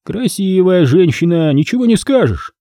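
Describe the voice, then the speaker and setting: Higher-pitched, taunting crime boss voiced by a man. Lively swings, mellow tone, dry close sound. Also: moderate pace, no echo, full character voice. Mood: mocking. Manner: taunting, barked threats and sly mockery. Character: sneering crime boss, mocking and menacing man.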